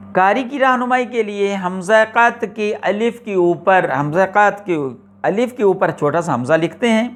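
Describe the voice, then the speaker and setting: A man teaching the rules of Quran recitation in a classroom lecture, explaining slowly and deliberately, repeating his points and asking rhetorical questions. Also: sits high, slight background noise. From Pakistan.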